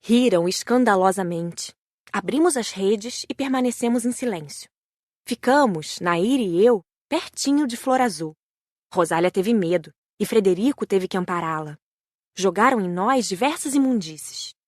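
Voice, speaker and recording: A woman's voice: mid-range voice, expressive, normal speed, darkish tone, no echo. Brazilian woman narrating, close dry sound. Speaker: audiobook narrator. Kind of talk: scripted narration.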